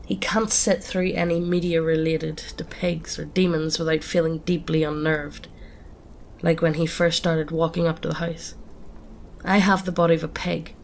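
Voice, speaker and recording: A woman's voice: low-pitched, little pitch movement, moderate pace, creaky, a little hiss or hum. A woman reading scary stories aloud in a casual, swearing storytelling manner. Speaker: horror story narrator. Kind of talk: scripted horror story narration.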